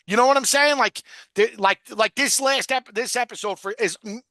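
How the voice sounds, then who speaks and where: A man's voice: very high voice, normal speed, sharp tone, dry recording, clean studio sound. A man hosting a casual podcast, talking in loose, profane rambles full of fillers. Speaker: podcast host. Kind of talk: casual rewatch podcast chat.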